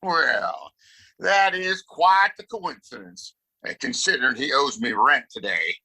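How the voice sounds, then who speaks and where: A man's voice: mid-range voice, big pitch swings, measured pace, creaky, sharp tone, slightly rough, heavily acted. A man playing a domineering, scornful wealthy father and town boss in a Western audio play, condescending and commanding. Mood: surprised, authoritative.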